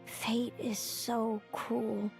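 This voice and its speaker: A woman's voice: a little high, flat delivery, vocal fry, soft background music, exaggerated voice. Solemn young woman in long reverb. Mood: melancholy, resigned. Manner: measured, formal, melancholy. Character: solemn, fatalistic young woman, wistful and composed. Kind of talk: anime game voice acting.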